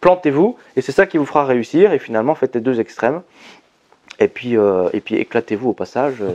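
A man with an unremarkable speaking voice talks at a fairly quick pace and medium pitch with lively intonation, in a dry, close sound with no echo. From eastern France, Belfort. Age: 30s. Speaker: entrepreneur. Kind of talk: casual interview. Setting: office.

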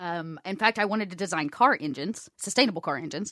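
With a plain, everyday voice, a woman speaks at medium pitch with lively intonation, the sound dry and close without echo on a very clean recording against a silent background. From US South, rural southeast Georgia. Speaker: tabletop RPG producer. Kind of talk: casual interview.

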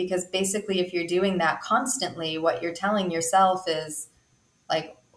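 A woman of medium pitch speaks with audible room echo. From US Midwest, Cleveland, Ohio. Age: 30s. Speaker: clinical psychologist and professor. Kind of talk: casual interview.

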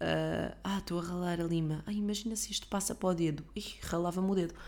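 In a European Portuguese accent, a woman talks at a fairly quick pace and fairly low pitch, with ordinary pitch variation. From Portugal, rural village near Seia. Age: 20s. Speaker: podcast host. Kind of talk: casual solo monologue.

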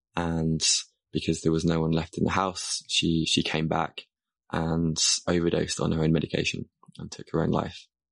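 In a southern English accent, a man with a very deep, low voice speaks at a moderate pace with monotone, flat intonation over a quiet background. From England, Hertfordshire. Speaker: breathwork facilitator. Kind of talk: casual chat.

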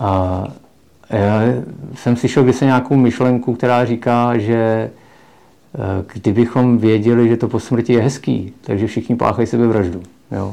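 A man's dark, mellow voice of medium pitch, fairly slow, with fairly even intonation and long, frequent pauses. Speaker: digital media expert and cancer survivor. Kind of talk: interview. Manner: halting, many fillers.

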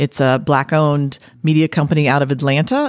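A woman with an American accent, very deep and low in pitch, at a fairly quick pace. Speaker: newspaper executive, journalist. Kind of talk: interview.

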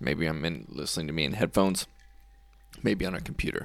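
The voice is relaxed in tone with vocal fry. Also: man. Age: 30s. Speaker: podcast host. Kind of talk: solo podcast monologue; informal guided eyes-closed visualization, breathing cue. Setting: alone in a home room with a microphone. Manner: relaxed, joking, with filler ums and laughs.

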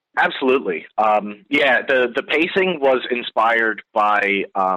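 This man has a slight Northeastern US accent. His pitch is fairly low. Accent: slight Northeast US. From New Jersey. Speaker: novelist. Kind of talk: casual interview chat.

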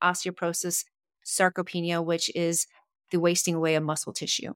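A woman's ordinary speaking voice at medium pitch and moderate pace, very clean recording with a silent background and a dry, close sound with no echo. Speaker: pharmacist and fitness coach. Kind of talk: casual chat.

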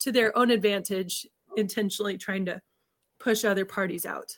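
A woman talks with an American accent in a normal speaking voice. Her pitch is medium and her intonation fairly even. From US South. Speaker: podcast host. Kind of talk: interview.

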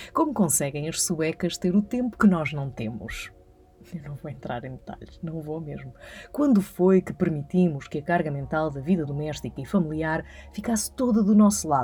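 In a European Portuguese accent, a woman with a very deep, low pitch and a dark, mellow tone speaks at a moderate pace with lively intonation, vocal fry and big swings in loudness. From Portugal. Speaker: podcast host. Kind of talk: monologue.

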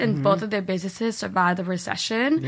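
With lively intonation, this is an ordinary speaking voice. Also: woman. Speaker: podcast guest, coffee company founder. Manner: casual, frequent filler "like".

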